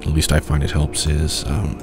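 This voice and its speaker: A man's voice: rumbling low, completely flat delivery, normal speed, background noise. A man with a cold hosting a casual video game playthrough, rambling easygoing talk with lots of filler. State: stuffed up with a cold. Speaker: let's play host. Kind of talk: casual gameplay commentary.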